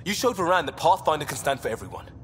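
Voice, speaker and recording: An impulsive young spaceship crewman, with a fairly high voice that swings widely. He is earnest and emphatic, in video game scenes with echoing reverb and clear background rumble. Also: sing-song, fast talker, fairly bright tone. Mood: sheepish, relieved. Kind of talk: video game dialogue acting.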